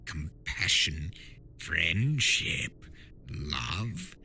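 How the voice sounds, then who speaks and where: A man voicing a fallen demonic centaur tyrant, proud, greedy and bitter, in a deep growling, menacing cartoon-villain delivery. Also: very animated, very slow, vocal fry, pushed and bright, faint music behind, heavily acted. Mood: proud, scornful. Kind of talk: dramatic fan fiction reading of a cartoon villain.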